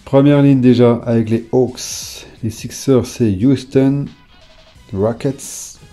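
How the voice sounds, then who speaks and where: Dark-voiced casual man chatting to viewers. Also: medium pitch, takes it slowly, soft background music. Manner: chatty, talks straight to viewers, sudden excited exclamations; hesitant, many fillers while reading names. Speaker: YouTuber showing his old trading cards. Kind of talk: casual off-the-cuff commentary.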